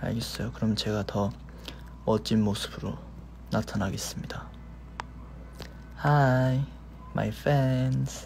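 Light background noise sits behind a man speaking very slowly, with long, frequent pauses and a very deep, low pitch that swings very widely. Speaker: performer talking to fans. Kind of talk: casual livestream talk to fans. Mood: relaxed, playful. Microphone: phone near.

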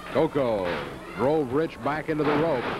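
Noticeable background noise runs under the recording. A man talks in a dry sound with no echo. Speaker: wrestling play-by-play commentator. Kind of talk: rapid-fire ringside play-by-play calling each hold and strike. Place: studio.

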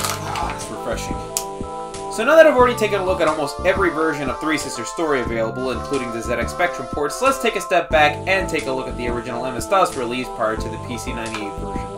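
Clear music plays behind a man speaking. He goes at a very fast pace with hardly any pauses. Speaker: retro game reviewer / YouTuber. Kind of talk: casual talk to camera, review commentary. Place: home room.

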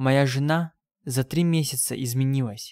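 A man speaks at a fairly slow pace and a fairly high pitch with fairly even intonation, in a very clean recording with a silent background and a dry, close sound with no echo. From Yakutia, Russia. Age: 30s. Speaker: storyteller. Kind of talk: scripted narration.

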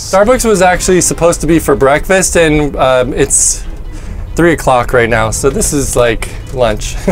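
The speaker is a man at a moderate pace. Faint music plays in the background. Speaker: video creator. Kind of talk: casual vlog chat. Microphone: lapel.

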